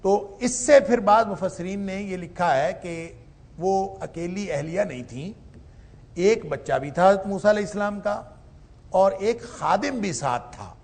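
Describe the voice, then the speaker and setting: Male lecturer, gravelly and a bit high, recites verses slowly, then explains with force. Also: animated, darkish tone. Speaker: professor teaching Quran commentary. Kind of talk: Quran exegesis lecture.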